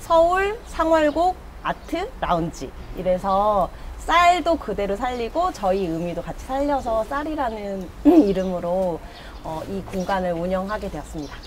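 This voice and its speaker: At a fairly slow pace, a woman speaks with very wide pitch swings and big swings in loudness, over light background noise. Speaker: actress and cultural organizer. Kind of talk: casual interview chat as a tour guide. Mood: cheerful, friendly. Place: street.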